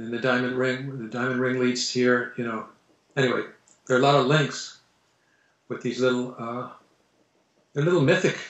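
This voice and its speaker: A man speaks with fairly even intonation and long, frequent pauses. His loudness swings a lot, and the room echo is audible. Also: medium pitch for a man, moderate pace. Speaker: filmmaker and memoir author. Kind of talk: interview.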